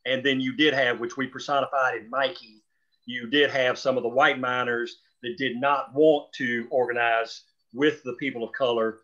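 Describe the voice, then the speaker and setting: A man's voice: mid-range voice, level tone, normal speed, bright, forceful tone, dull audio. A man explaining storytelling choices in a group discussion, talking discursively as a writer of the show.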